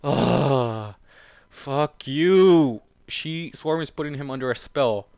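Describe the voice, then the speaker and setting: A man's voice: medium pitch, slow, vocal fry, a little mellow, clean tone, no room sound. Exasperated, swearing man in a dry close space. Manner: profane, exasperated, addresses characters directly. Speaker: fan fiction reader and reactor. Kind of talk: reading a story aloud with angry ranting commentary.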